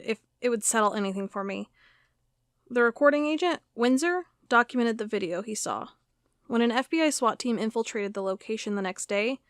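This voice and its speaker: An actress playing an uneasy, dogged FBI agent dictating case notes in an audio drama, halting and conversational. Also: female voice, mid-range voice, dry recording, studio quality, lightly acted. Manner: halting, conversational, self-correcting. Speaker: FBI records agent character. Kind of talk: audio drama monologue, spoken like a recorded log.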